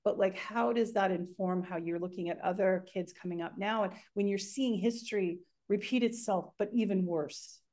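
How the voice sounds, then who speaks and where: A middle-aged woman hosting an interview over a video call from home, talking haltingly with many fillers. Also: mid-range voice, a little mellow. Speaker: host. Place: home room, indoors.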